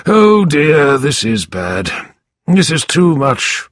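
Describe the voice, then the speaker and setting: A man reading a storybook aloud, voicing a fussy, scheming male lawyer with theatrical, high-pitched exclamations. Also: sing-song, takes it slowly, no room sound, clean studio sound. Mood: feigned confusion.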